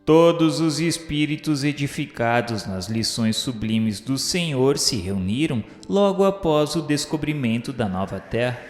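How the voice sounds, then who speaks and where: A Brazilian man narrating a scripted radio drama in a solemn, grandiloquent, measured manner. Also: mid-range voice. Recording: echoey hall reverb with faint music.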